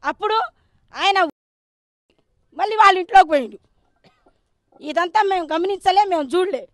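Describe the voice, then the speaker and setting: A woman from a Telangana village tells what she saw in an agitated rush, her voice very high and shrill. She keeps circling back over the same details and slips into the voices of the people she quotes. The sound is close and dry, with little room around it. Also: expressive, moderate pace, no echo. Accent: Telangana Telugu. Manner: agitated, repetitive storytelling, acts out quoted speech. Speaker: villager recounting an incident. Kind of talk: emotional eyewitness account.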